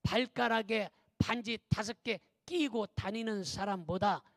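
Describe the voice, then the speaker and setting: A man preaching a sermon as a pastor, telling stories with lively delivery and calling the congregation to say amen. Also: high-pitched, unhurried, vocal fry, no echo, studio quality. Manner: lively storytelling, calls for amen.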